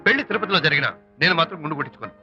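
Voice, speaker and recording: A man's voice: a little high, expressive, rapid-fire, natural voice. A man playing a smug, quirky groom-to-be. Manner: self-satisfied, lays down conditions. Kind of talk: film comedy dialogue. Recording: dull film sound with loud music.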